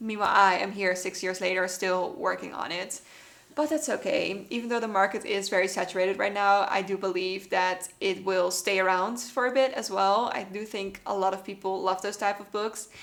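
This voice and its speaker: With a Dutch accent, the speaker keeps a moderate pace with hardly any pauses and fairly even intonation. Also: woman, medium pitch for a woman. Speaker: YouTuber and aspiring author. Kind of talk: casual Q&A vlog.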